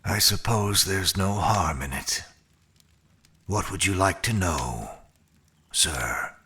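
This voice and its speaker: An actor playing a coldly formal immortal attendant in an audio drama, speaking in a blunt, measured, curt manner. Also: male voice, low-pitched, expressive, bright, forceful tone, slightly rough, heavily acted.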